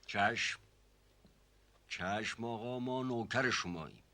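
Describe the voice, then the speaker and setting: Mash Qasem, a stammering old servant. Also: male voice, lowish voice, sharp tone. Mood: hesitant. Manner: stammering, evasive, fond of repeating himself. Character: humble hesitant older male household servant. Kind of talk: TV period comedy drama.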